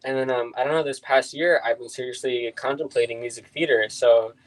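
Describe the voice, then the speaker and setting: A man's voice: medium pitch, steady tone, fairly quick, rough recording. A young man on a video call asking questions in a hesitant way, with many fillers. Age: young adult. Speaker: student caller.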